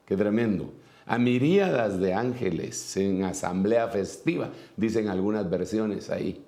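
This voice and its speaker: A man's voice: on the low side, a little slow, dark tone. A man preaching a sermon, reading scripture aloud and then explaining it at a whiteboard with many fillers and asides.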